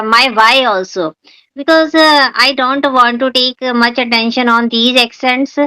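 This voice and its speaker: Woman, Indian accent, English teacher, hesitant fillers, bright tone, dry online call audio. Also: a little high, clear, resonant tone, no room sound, rough recording. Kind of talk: casual conversation practice.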